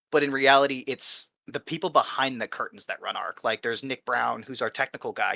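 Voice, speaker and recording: A man talks at a very fast pace in a bright, sharp tone with fairly even intonation, recorded very cleanly with a silent background and a dry, close sound with no echo. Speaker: tabletop gaming community organizer. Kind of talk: podcast interview. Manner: loud; casual, fast-talking.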